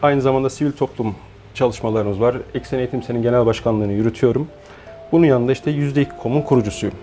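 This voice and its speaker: Measured, mellow-voiced man in his forties. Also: medium pitch, soft background music. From Turkey. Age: 40s. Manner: measured, explanatory, with frequent hesitation fillers. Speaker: guest, founder of an online shop. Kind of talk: interview.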